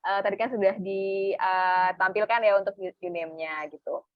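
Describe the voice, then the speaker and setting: A woman's voice: mid-range voice, steady tone, moderate pace, dry recording. Webinar moderator woman, chatty with fillers, dry dull call audio. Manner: friendly, filler-heavy, addresses audience. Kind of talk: moderating a webinar, promotional announcements.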